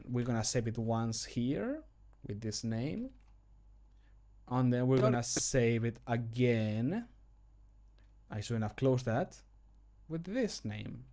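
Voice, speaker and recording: A man's voice: mid-range voice, a little mellow. A middle-aged man chatting casually and self-deprecatingly as he streams from a small room at home, close on the microphone. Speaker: streamer recording voice lines for a game mod. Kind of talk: casual livestream commentary.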